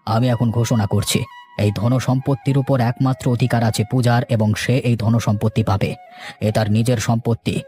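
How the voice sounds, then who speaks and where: Cartoon village boss male actor, commanding and scolding yet fair, mid-pitched, over a music bed. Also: dark tone, close to an everyday voice. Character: gruff, scolding but fair village master. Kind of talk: animated cartoon story acting.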